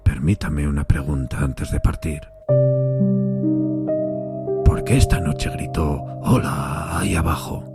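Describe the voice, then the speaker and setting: A man voicing a troubled, deferential railway signalman in a gothic audio story, speaking gravely, slowly and in a hushed way. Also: extremely low pitch, loud music behind the voice, exaggerated voice. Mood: uneasy, insistent. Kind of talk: dramatised gothic audiobook dialogue.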